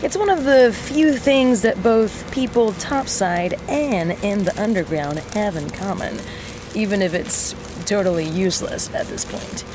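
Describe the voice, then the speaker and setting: A woman playing a sardonic mechanic in a sci-fi audio drama, rambling to a listener with mock-solemn, theatrical pauses. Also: mid-range voice, over music, lightly acted. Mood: wry, musing. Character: sardonic, rambling young female mechanic in an underground resistance.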